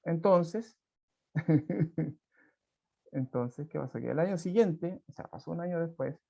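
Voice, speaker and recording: A man's voice: a little high, slow pace, creaky, warm tone. A Chilean male teacher reading and explaining a folk tale in an online class, chatty, full of tag questions and restarts. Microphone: video call. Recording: dull lo-fi video call audio.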